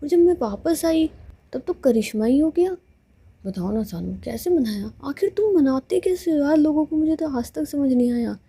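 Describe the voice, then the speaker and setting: A woman's voice: high-pitched, lively intonation, normal speed, mellow, pitched above the performer's own voice. A woman voicing a curious young woman in love who keeps pestering her girlfriend with questions in a told love story. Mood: pleading. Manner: pleading, pestering.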